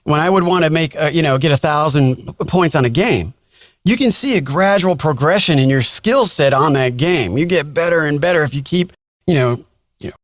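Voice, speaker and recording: Male co-host, slightly high voice, informal chat, dry studio-like sound. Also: moderate pace, dry recording. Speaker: podcast co-host. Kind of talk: casual podcast chat.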